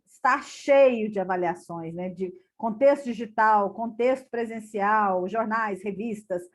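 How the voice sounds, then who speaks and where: Lady giving an academic talk on a video call, kinda high voice, lots of stops and repeats. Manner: halting, with many repeated words and restarts. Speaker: conference lecturer.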